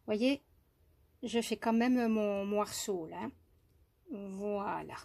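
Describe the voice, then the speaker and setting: A woman from France demonstrating crochet step by step, hesitant with many fillers and restarts, softly counting stitches under her breath. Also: medium pitch, slow, gravelly. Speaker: crochet tutorial host.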